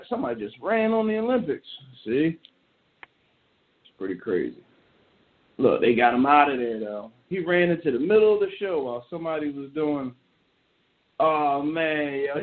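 A male talk show host riffs in a loose, joking rant full of slang. His voice sits at an ordinary middle pitch. The sound is thin and tinny, like it comes down a phone line. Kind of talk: casual solo commentary.

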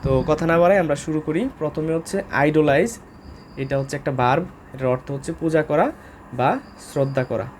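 This English vocabulary teacher, a man with a Bangladeshi accent, keeps the lesson informal, full of fillers and letter-by-letter spellings. He speaks at a normal speed in a somewhat high, darkish voice, and there's a little hiss or hum on the recording.

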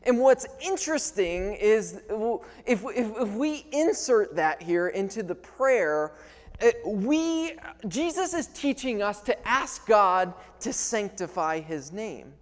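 A man's voice: sits high, big pitch swings, slow. A man in his thirties preaching a sermon earnestly, often restarting and repeating words as he goes. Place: large wooden-panelled church, indoors. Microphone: clip-on lapel microphone. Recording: long church hall reverb.

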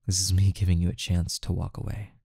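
A man acts out a smooth-talking mafia boss in an intimate ASMR roleplay. His low voice is dark and husky, heard very dry and close. He coaxes and threatens calmly, pausing deliberately. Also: dry recording, heavily acted. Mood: calm menace. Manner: slow, menacing, softly coaxing, with deliberate pauses.

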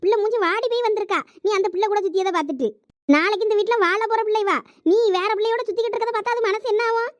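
Shrill fast-talking village mom, bossy, thoothukudi accent, dry sound, a woman doing it. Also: dry recording. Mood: scolding. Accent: Thoothukudi Tamil. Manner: scolding, domineering. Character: scolding village mother, bossy and loud. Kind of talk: village comedy skit.

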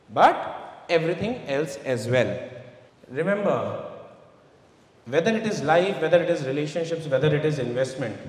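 A middle-aged man giving an emphatic motivational finance presentation in short repeated phrases and rhetorical questions. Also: high voice. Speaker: investment speaker. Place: large auditorium stage. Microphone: handheld microphone through hall sound. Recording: echoey large hall, long reverb.

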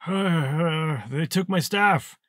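A man's voice: fairly high pitch, takes it slowly, a bit bright, no room sound, clean studio sound, voice pushed up. A man voicing a hesitant, stammering old wizard who works snake magic.

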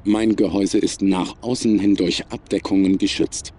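A man's voice: sits low, steady tone, normal speed, dark tone. A man playing a coldly logical, superior artificial intelligence in a science fiction audio drama, speaking formally and without emotion. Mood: cold, detached.

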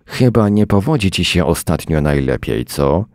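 A man's voice: deep voice, expressive, moderate pace, a little mellow, no echo, clean studio sound. A man voicing a blunt, swearing middle-aged man who grumbles about the state of things, read as part of a story. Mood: irritated. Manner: irritated, swearing.

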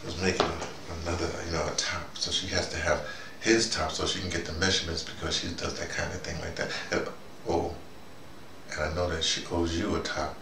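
Low, gravelly man, rambling. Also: little pitch movement. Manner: digressive, halting, often saying "you know". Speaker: host of a spoken dispatch series. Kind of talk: rambling informal monologue. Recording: roomy, noisy, distant microphone.

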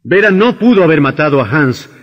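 An actor playing a tormented doctor who speaks with agitated, pleading exclamations in an old radio drama. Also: male voice, fairly high pitch, sing-song, brisk. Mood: anguished. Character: anguished male doctor, torn and desperate. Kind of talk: vintage radio drama acting. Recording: muffled old radio recording with reverb.

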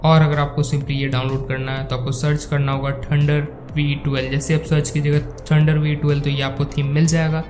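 A slightly hoarse young man giving a casual, rambling voice-over review of phone themes for his tech channel. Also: on the high side, level tone, a little fast, hardly any pauses, darkish tone, soft background music. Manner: rambling, filler-heavy casual talk. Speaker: tech YouTuber.

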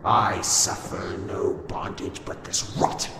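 A woman's voice: slow pace, natural voice. A woman voicing a gloating demon in a corpse's body, theatrical and menacing. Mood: raging, gloating. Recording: echoey with loud noise behind.

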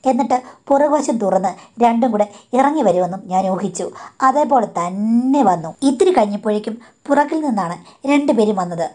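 A woman's voice: a little high, lively intonation, fairly quick, darkish tone. A woman narrating her own life story in a confiding, indignant tone, often addressing her listener as madam.

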